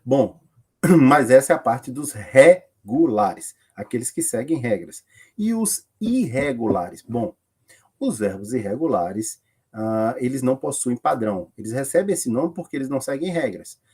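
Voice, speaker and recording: Brazilian male teacher, husky mid-pitched voice, patient step-by-step explainer. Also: big pitch swings, measured pace, darkish tone. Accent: Brazilian Portuguese. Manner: explains step by step, asks and answers own questions. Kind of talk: recorded classroom lesson.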